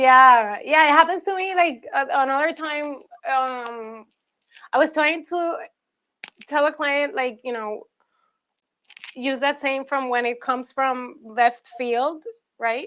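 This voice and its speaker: With a Spanish accent, a woman projects a raised, high-pitched voice with a bright, sharp tone, speaking very slowly with long, frequent pauses and ordinary pitch variation. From Puerto Rico. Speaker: business owner. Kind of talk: interview.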